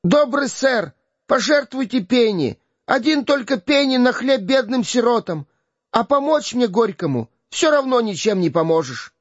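A man's voice: very high voice, animated, unhurried, dry recording, pitched above the performer's own voice, exaggerated voice. A man voicing a sly, bossy beggar boy who wheedles and bullies by turns. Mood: whining. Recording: dull, dry lo-fi recording.

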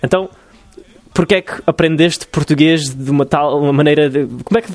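A man from New Jersey, talking in Portuguese as a podcast host, reflective and full of pauses and restarts. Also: fairly high pitch, darkish tone, no echo. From United States (New Jersey). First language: English. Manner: hesitant, many fillers and restarts, reflective. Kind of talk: casual solo podcast monologue.

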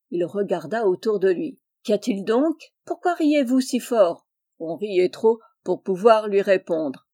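A woman reading a classic novel aloud in calm, measured storytelling. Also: medium pitch. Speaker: audiobook reader. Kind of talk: scripted narration.

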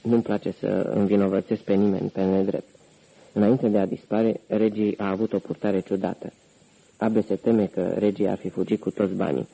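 A man reading an audiobook, voicing a wary, blunt male gangster lieutenant in a gruff manner. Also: on the low side, flat delivery, warm tone, rough recording.

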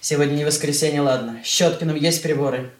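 A woman's voice: sits low, fast talker, close to an everyday voice. An actress playing a fussy older housewife and mother who scolds the maid while checking the table in a radio drama. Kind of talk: 1980s radio drama acting. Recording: roomy room, from a distance.

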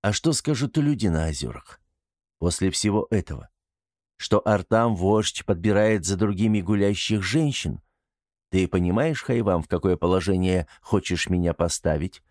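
A man's voice: fairly low pitch, darkish tone, no echo. A man voicing a proud, stern tribal chief in an audiobook, giving orders in a dry, harsh and emphatic way. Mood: stern, wounded pride.

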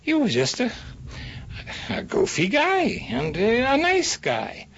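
High, animated American man. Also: takes it slowly, gravelly, a little hiss or hum. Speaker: interviewee. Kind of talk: animated, folksy interview talk. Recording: dull, muffled.

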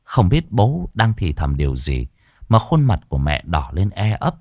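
A man narrating a ghost story in a dramatic, expressive way. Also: low-pitched, moderate pace, no room sound, clean studio sound.

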